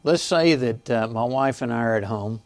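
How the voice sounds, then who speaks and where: Halting conversational male pastor preaching. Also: mid-range voice. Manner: conversational, halting with restarts and asides to the congregation; chuckles between points. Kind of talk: sermon. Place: church sanctuary.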